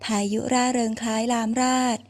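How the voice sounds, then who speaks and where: A woman's voice: fairly quick, darkish tone. A woman narrating a romance novel in an audiobook, reading steadily.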